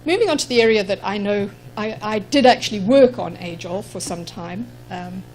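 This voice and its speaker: A woman from Zimbabwe with a Zimbabwean accent, giving a measured conference presentation with frequent ums. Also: mid-range voice, darkish tone, slight background noise, rough recording. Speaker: conference speaker. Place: conference room.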